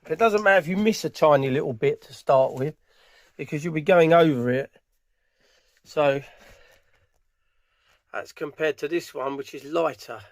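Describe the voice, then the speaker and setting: Higher-voiced British man giving a how-to. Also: moderate pace, pauses often. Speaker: furniture polisher giving a how-to demonstration. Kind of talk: casual hands-on tutorial narration. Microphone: camera mic on a tripod, at varying distance.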